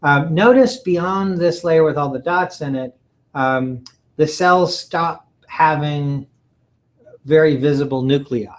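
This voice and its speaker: A man giving a recorded lecture from slides, halting often with ums and uhs and clearing his throat. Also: a little high, poor audio. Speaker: college lecturer.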